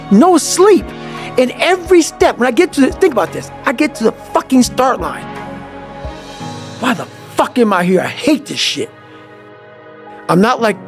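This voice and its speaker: A man telling a profane, forceful motivational story in an intense talk, with faint music behind him. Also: high-pitched, gravelly. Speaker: motivational speaker.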